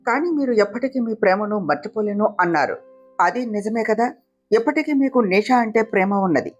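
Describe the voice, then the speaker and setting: Storybook figure: self-sacrificing young wife, read by a woman, soft and pleading, breathy. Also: mid-range voice, lively intonation, a little fast, dull audio, faint music behind. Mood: sad tender.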